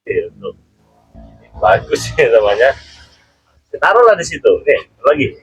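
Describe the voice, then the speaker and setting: A man's voice: mid-range voice, sing-song, unhurried, a bit bright, faint music behind, rough recording. A man hosting a live stream, telling a rambling story with frequent chuckles and questioning a child. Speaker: channel host.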